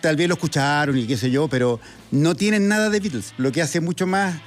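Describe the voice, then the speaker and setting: A man's voice: on the high side, a little fast, a little hiss or hum. A Chilean man co-hosting a casual radio chat, reflective and hesitant, with many fillers. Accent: Chilean Spanish. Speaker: radio co-host.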